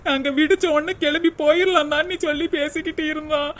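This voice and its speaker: Woman doing a tearful cartoon younger sister, pleading, humble, high voice. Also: steady tone, fast talker, fairly bright tone. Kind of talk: cartoon family drama voicing.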